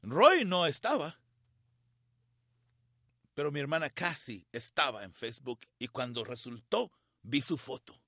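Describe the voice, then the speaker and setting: A middle-aged man preaching a sermon, telling a personal story with feeling and dramatic pauses. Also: mid-range voice, expressive, vocal fry, sharp tone, dry recording, studio quality. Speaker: pastor.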